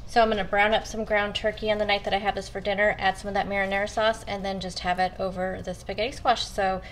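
Speaking quickly in a flat, medium-pitched voice with slight background noise, a woman narrates her weekly meal prep at her home kitchen counter. It's a casual cooking walkthrough, chatty in manner, with viewers addressed as "you guys."

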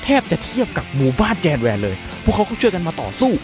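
A man's voice: high voice, very animated, quick pace, over music. A man telling a dramatic first-person story in colloquial speech, emphatic and suspenseful.

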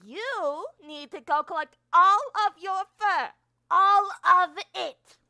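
A woman's voice: very high voice, slow pace, pushed and bright, no echo, exaggerated voice. A woman voicing an exasperated, bossy female cartoon cat in a scolding manner. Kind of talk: character voice acting demo.

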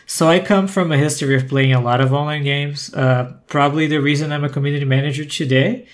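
A man's voice: a little high, steady tone, fast. A man, a guest talking casually and thoughtfully on a podcast, often restarting his sentences. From Brazil. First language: Portuguese. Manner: thoughtful, rambling with frequent restarts. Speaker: guest, former community manager.

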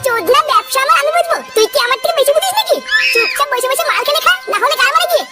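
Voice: extremely high pitch, animated, very fast. A performer voicing a drunk, foul-mouthed young man who runs a new catering shop, boastful and crude, in a comic cartoon. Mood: boastful, irritated. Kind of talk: Bengali comic cartoon acting. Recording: loud background music. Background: loud music.

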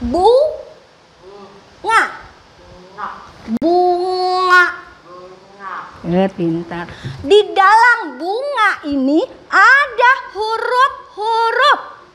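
A woman teacher talks to small children, stretching each word with slow, exaggerated care and praising them often. Her voice sits very high and rises and falls a lot. It sounds bright and clear. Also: big pitch swings. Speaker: special-needs schoolteacher. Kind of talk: radio lesson for children.

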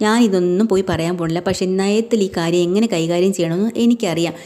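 A woman voicing a brisk middle-aged mother who scolds her daughter but reassures her. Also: on the low side, warm tone, close to an everyday voice.

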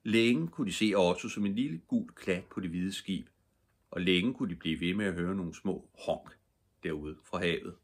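An older man reading a children's bedtime story aloud, calm and gentle. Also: low-pitched, breathy edge.

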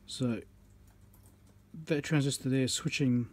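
A man's voice: medium pitch, steady tone, unhurried, a little mellow. A man giving casual commentary as he repairs electronics, thinking aloud as he works at a workbench. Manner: muttering, thinking aloud while working.

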